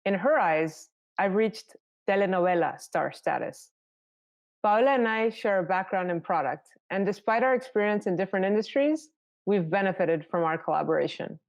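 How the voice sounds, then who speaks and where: A woman from South Texas, a native Spanish speaker, giving a prepared conference talk in a steady storytelling manner. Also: medium pitch, normal speed. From South Texas, United States.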